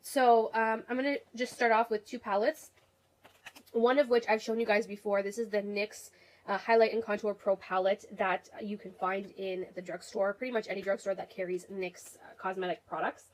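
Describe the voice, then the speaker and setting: A woman's voice: medium pitch, level tone, normal speed, low-quality recording. A young woman with a cold, sounding nasal and stuffed up, chatting casually to camera about makeup with lots of fillers. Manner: chatty, rambling, many fillers. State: sick, nasal and congested. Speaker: beauty vlogger.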